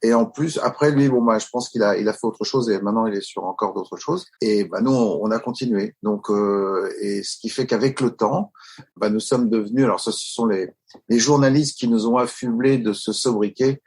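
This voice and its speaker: Husky, low-voiced older man. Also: normal speed, darkish tone. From Italian-Corsican family, grew up in France. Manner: hesitant, many restarts, earnest. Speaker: stunt school founder, guest. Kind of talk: interview storytelling.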